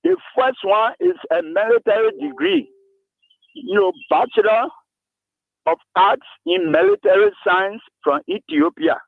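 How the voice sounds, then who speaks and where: A man in his seventies with a Liberian English accent, calling in to a radio talk show and speaking slowly about himself. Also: very high-pitched, no echo. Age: 70s. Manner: slow, lively rises and falls, gravelly. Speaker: caller. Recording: tinny dry phone line.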